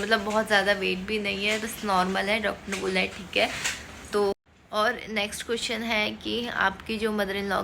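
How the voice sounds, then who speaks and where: A woman's voice: mid-range voice, creaky, pushed and bright, slight background noise. A young woman chatting in a rambling, casual way in a home vlog while nursing a sore throat and a cold. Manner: chatty, rambling, many fillers. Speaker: family vlogger.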